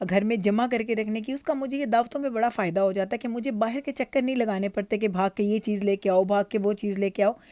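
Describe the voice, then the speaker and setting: A woman speaks at a moderate pace in a fairly high pitch, her dark, mellow tone sounding dry and close with no echo. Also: very clean recording, silent background. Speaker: vlogger. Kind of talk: vlog voice-over.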